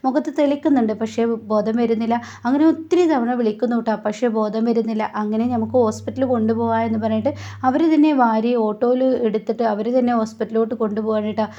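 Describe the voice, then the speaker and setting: A woman casually retelling a TV serial plot, chatty and tagging her sentences with a soft "you know". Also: on the high side, steady tone, quick pace, lo-fi sound. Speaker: serial recap narrator.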